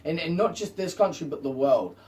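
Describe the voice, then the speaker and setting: A man's voice: a little high, lively intonation, brisk, darkish tone, distant mic. A man hosting a video with an insistent, repetitive, impassioned unscripted appeal to viewers. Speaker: video host.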